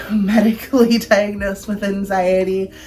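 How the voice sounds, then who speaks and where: A woman's voice at medium pitch. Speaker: roller skating youtuber. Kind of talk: personal talk to camera. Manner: halting, with pauses.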